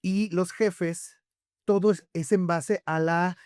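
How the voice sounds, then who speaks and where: A man with a Mexican accent, a podcast guest, telling stories in a lively conversational way, full of rhetorical questions. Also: high-pitched, slow, smooth, no room sound, clean studio sound. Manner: animated storyteller, rhetorical questions, frequent tag "¿no?".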